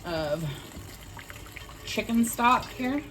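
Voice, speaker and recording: A woman's voice: a little high, expressive, very slow, fairly bright tone, a little hiss or hum. A woman in her forties hosting a cooking vlog, chatting candidly and casually to the camera in a conversational way. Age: 40s.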